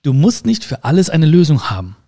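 Talking a bit high and fairly quick, a man runs through a laid-back motivational monologue. He speaks straight to the listener with rhetorical questions and playful sound words. His style is animated.

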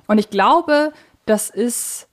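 A woman's voice: a little high, animated, takes it slowly. Analytical woman in podcast conversation. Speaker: podcast co-host.

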